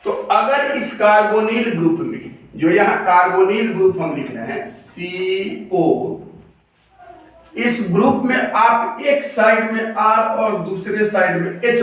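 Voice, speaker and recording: A man's voice: sits high, fairly bright tone. Echoey, far-off male chemistry teacher. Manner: repeats key terms slowly, stretching words for emphasis. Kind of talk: classroom lecture. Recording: very echoey room, voice from a distance.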